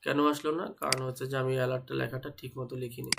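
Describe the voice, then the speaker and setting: A man's voice: mid-range voice, little pitch movement, racing, gravelly, a bit bright, slight background noise. A young man with a fever teaching a web development class, explaining step by step and spelling terms out. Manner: explains step by step, repeats words and spells them out. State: speaking slowly because of fever. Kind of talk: live online coding class.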